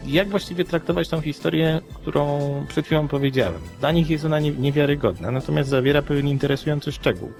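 Man, middle pitch, podcast co-host, conversational storytelling, measured explanatory delivery, music behind. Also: creaky, a little mellow. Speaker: podcast co-host and commentator on UFO cases. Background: background music.

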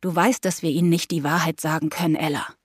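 Woman voicing a young man, lowered voice, murmured, soft, weary, dry close recording. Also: fairly even intonation, fast talker, breathy edge, no room sound. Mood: quiet, resigned. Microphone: close studio mic.

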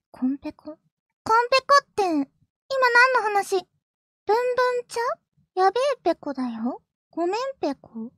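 A woman streamer voicing a clingy, possessive yandere little sister, sweet and doting but turning jealous and menacing, sometimes dropping to a hushed whisper. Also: high voice, dry recording, studio quality. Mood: pouty, needling. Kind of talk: live-stream character role-play, reacting to chat.

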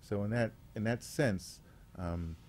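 Man, low-pitched voice, informal speech, halting delivery, faint background noise. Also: a little mellow. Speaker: radio theater artistic director, guest facilitator. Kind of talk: informal public address.

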